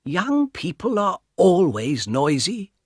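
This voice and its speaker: Man doing a quiet fussy fifty-year-old, slow, dry and close. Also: sits high, wildly swooping pitch, slightly rough, dry recording, pitched above the performer's own voice, full character voice. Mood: mild. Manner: mild, thoughtful.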